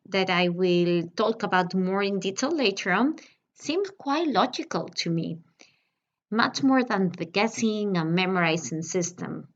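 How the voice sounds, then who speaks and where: A woman whose first language is Spanish, hosting a channel and calmly explaining a reading program in a scripted, personal review. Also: medium pitch, highs cut off.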